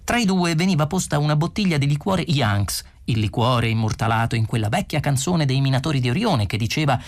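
An audiobook narrator reading a comic novel in an expressive, lively way. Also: brisk. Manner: expressive, with wide pitch swings.

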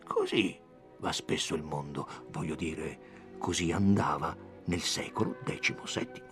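A man giving a dramatic reading of a classic novel, expressive and animated. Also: measured pace, over music. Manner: expressive, raises pitch for quoted characters. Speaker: audiobook reader.

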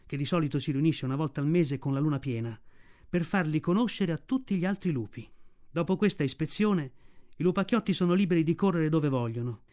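Expressive Italian storybook narrator, man. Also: a little high. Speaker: audiobook reader. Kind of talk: scripted narration.

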